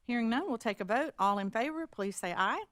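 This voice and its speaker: A woman's voice: on the high side, animated, a bit bright, no echo. Woman board chair, procedural, reads motions, dry room. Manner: brisk and procedural, repeats formal motions. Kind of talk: chairing a public meeting.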